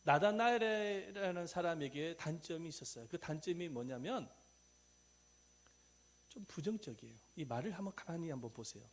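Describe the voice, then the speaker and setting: A male pastor preaching a sermon, leading the congregation in reading scripture aloud and acting out quoted dialogue, with sudden swings between loud and hushed delivery. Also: on the high side. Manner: acts out quoted dialogue in plain, conversational speech.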